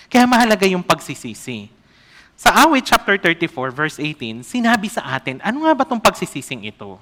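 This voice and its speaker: A man preaching a sermon as an evangelist, often asking the congregation questions and reading scripture aloud slowly. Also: on the high side, bright, forceful tone.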